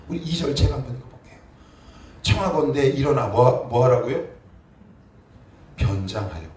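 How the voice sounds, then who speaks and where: A male pastor preaching a sermon emphatically, posing rhetorical questions and answering them himself, moving between quiet and forceful delivery. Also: medium pitch, gravelly. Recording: roomy echo, distant mic, faint noise.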